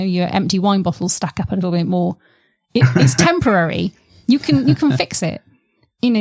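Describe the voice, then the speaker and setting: A woman's voice: lowish voice, dry recording, studio quality. A woman in a casual podcast conversation, speaking candidly and reflectively, with self-mocking laughter.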